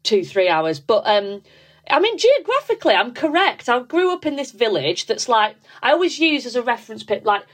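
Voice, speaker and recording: A woman's voice: fairly high pitch, big pitch swings, normal speed. A woman in her thirties with a Yorkshire accent, a comedian chatting on a podcast and telling stories full of likes and ums. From Yorkshire, England. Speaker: comedian guest. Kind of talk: casual podcast chat.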